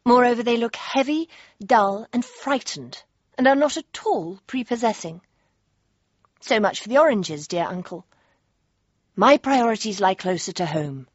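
A young actress playing an earnest, spirited princess, with a crisp, refined way of speaking. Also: female voice, on the high side, lively intonation, measured pace, no echo. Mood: reflective. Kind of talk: period drama acting and diary narration. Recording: dull dry lo-fi with faint music.

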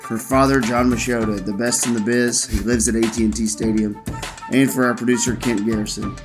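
A man's voice: mid-range voice, brisk, music in the background. Laid-back male sports podcast host. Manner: relaxed, filler-heavy sign-off. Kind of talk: casual sports chat.

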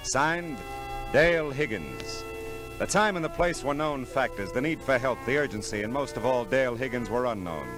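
An actor playing a wry, hard-boiled private eye with an American accent, narrating in terse, deadpan 1940s radio noir style. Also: male voice, medium pitch, moderate pace, close to an everyday voice. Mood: wry, matter-of-fact. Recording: old radio broadcast with music behind.

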